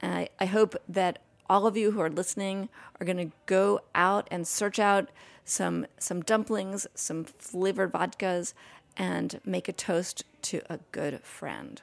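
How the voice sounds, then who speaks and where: With an ordinary speaking voice, a woman talks fairly slowly at a medium pitch with fairly even intonation. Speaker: podcast host, food editor. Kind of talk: interview.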